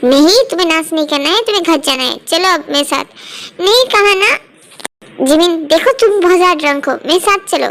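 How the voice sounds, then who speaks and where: A woman uses a put-on character voice at an extremely high pitch. Her intonation is lively and her pace moderate. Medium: audio drama. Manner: firm, then gentle and coaxing.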